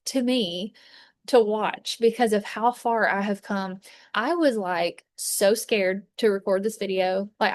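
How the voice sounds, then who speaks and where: A woman's voice: medium pitch, no echo. Woman in her thirties, chatty and rambling, casual talk, dry close sound. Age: 30s. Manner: chatty, rambling, with frequent fillers and restarts. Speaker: fragrance consultant. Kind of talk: casual chat. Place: inside an RV.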